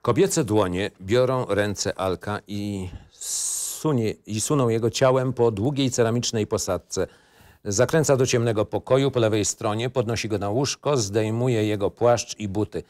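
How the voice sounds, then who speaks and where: A man's voice: fairly low pitch, measured pace, darkish tone, dry recording, clean studio sound. A man narrating a screenplay in short, matter-of-fact phrases. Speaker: narrator reading stage directions. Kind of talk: scripted narration, screenplay reading.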